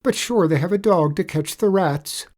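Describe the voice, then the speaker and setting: A storyteller voicing a soft-hearted, weepy male tradesman with an Irish accent, easily moved to sobbing. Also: mid-range voice, moderate pace, voice pushed up, natural voice. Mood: sympathetic.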